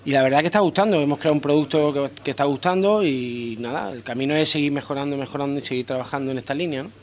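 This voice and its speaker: A man's voice: fairly high pitch, fast talker. A man in his thirties, a chef, answering interview questions in a restaurant dining room into a handheld mic, often repeating words and restarting. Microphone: handheld interviewer mic held close.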